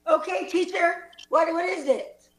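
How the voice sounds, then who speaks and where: A woman's voice: high voice, normal speed, fairly bright tone. A woman playing a flustered, defensive former student in an improvised comedy scene. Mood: indignant. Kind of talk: improvised comedy stage acting. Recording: roomy, echoey live space.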